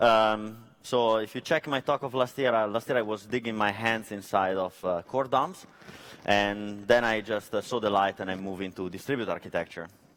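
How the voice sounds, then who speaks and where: A man with an Italian accent talks at a moderate pace in a fairly low pitch, with ordinary pitch variation. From Italy. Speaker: software engineer, conference speaker. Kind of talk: conference talk. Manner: halting, many fillers.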